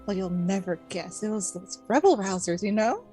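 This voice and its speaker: A woman's voice: mid-range voice, expressive, moderate pace, dark tone. A woman playing a tabletop role-playing game, improvising casually and playfully. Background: music.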